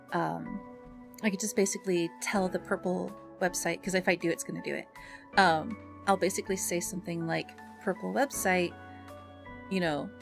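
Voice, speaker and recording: A woman livestreamer chatting casually with viewers in a bubbly, expressive and affectionate way. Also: lowish voice, creaky. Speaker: live streamer and ASMR content creator. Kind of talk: casual livestream chat with viewers, greeting them and reading messages. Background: background music.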